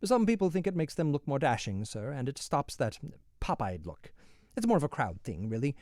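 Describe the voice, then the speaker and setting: A man's voice: medium pitch, sing-song, brisk, a little mellow, dry recording, studio quality, natural voice. A man voicing a cheerful, businesslike young hangman who chats politely and keeps saying sir, in a voice raised above his own. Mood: eager. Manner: friendly, businesslike, says "sir" often. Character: cheery young male hangman, eager and chatty.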